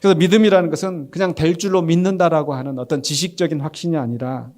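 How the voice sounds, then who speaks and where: A middle-aged man preaching a Sunday sermon in a conversational, animated way, asking the congregation questions and answering them himself. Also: on the high side, fast talker. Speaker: pastor. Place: church sanctuary.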